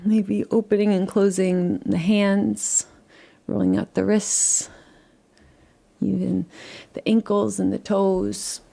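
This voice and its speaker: A woman guides a relaxation session, her voice soft, soothing and unhurried, with long pauses between phrases as she gently invites rather than instructs. She is a meditation guide with a medium pitch, a flat delivery and some vocal fry.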